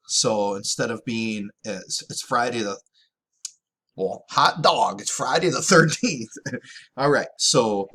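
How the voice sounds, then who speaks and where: A man's voice: mid-range voice, fairly bright tone. A man hosting a stock options channel, giving casual, rambling market commentary over a screen share, with folksy exclamations. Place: home in Hawaii.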